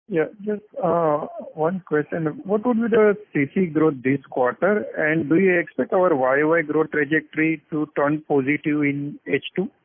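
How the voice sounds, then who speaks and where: A man's voice: fairly high pitch, normal speed, few pauses. A man asking brief questions as an analyst on an earnings conference call. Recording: dry, tinny phone line.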